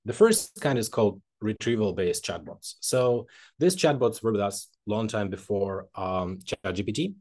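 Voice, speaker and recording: A young man from Kazakhstan giving an academic webinar presentation over a video call, pausing often with ums and uhs. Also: fairly low pitch, lively intonation, a little mellow. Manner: hesitant, frequent ums and uhs. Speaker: webinar presenter, postdoctoral researcher. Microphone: laptop mic on video call.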